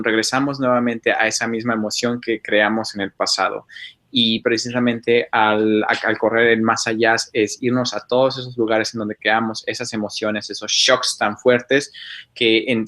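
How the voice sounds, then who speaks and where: A man hosting a live video call, talking in a relaxed, conversational way and dropping playful sound words into his points. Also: mid-range voice. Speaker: host. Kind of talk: casual coaching talk.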